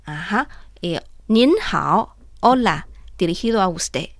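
This slow-spoken woman, a native Chinese speaker from China, works as a language teacher and co-host on a radio lesson, carefully drilling pronunciation. She has a fairly low, animated voice, captured in a clean studio with no room sound.

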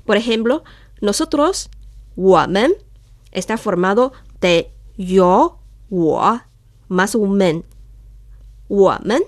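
Slow, patient woman teaching Chinese. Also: mid-range voice, lively intonation, dry recording, clean studio sound. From China. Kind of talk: language lesson, modelling words to repeat.

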